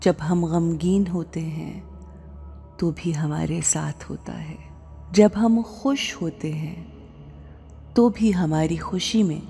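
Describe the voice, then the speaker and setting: A woman leading a devotional guided meditation, speaking in measured short phrases with pauses and an often hushed, breathy delivery. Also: lowish voice. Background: background music.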